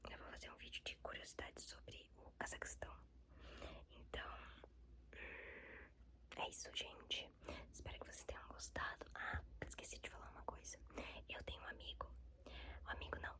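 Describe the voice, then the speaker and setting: A young woman with a Brazilian accent, whispering a rambling ASMR chat to her viewers with many fillers. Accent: Brazilian Portuguese. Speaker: ASMR creator.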